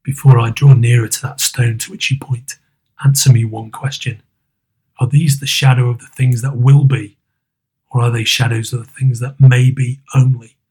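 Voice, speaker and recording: A man voicing a frightened elderly male miser, speaking in a husky, hushed way. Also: medium pitch, level tone, moderate pace. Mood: pleading.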